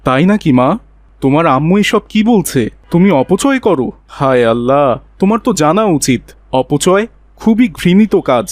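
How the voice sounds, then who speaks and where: A man acts a patient, devout father in a children's cartoon. His fairly high voice is recorded close and dry, and he soothes and preaches kindly. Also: expressive, moderate pace, dry recording, natural voice. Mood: gently admonishing. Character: gentle pious father patiently counselling his young daughter. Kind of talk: children's Islamic cartoon voice acting.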